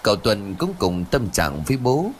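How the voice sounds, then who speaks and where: Lively low-voiced male storyteller. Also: moderate pace, a little hiss or hum. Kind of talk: spoken ghost story narration.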